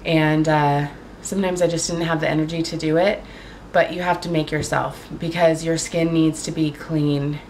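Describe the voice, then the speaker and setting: A woman vlogging casually to camera at home, chatty and full of fillers, her voice a little raspy from a cold. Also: low-pitched, steady tone, normal speed, hardly any pauses, a little mellow, a little hiss or hum. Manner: chatty, lots of fillers and likes. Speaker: beauty vlogger. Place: home, indoors.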